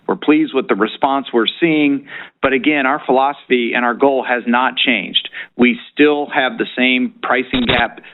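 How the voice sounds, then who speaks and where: A man speaking as a company executive answering questions on an earnings call, in a measured, halting corporate manner. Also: mid-range voice, steady tone. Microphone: conference call line. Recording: narrow-band conference phone line.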